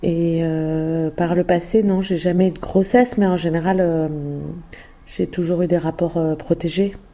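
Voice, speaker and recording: A woman speaks at a very slow pace in a dark, mellow tone with fairly even intonation. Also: fairly low pitch for a woman. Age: 40s. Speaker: documentary producer and narrator. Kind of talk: phone call with a clinic.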